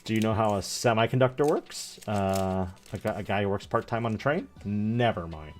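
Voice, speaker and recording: A man in his thirties chatting casually on a livestream, rambling and joking in an animated way as he tells stories. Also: on the low side, normal speed, faint music behind. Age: 30s. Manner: rambling, animated, jokey storytelling. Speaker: streamer opening trading card packs.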